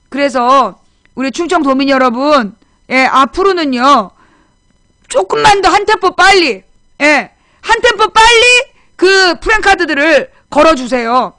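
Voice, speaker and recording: A woman's voice: very high-pitched, bright, forceful tone, no room sound. A woman hosting a political talk show, chatting bluntly and scolding, repeating her points for emphasis. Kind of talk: casual political commentary chat.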